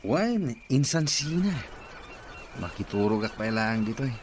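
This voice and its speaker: A man's voice: medium pitch, big pitch swings, unhurried, darkish tone. A man playing a pushy, sly male cousin in an Ilocano audio drama. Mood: casual, stubborn. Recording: noisy amateur recording.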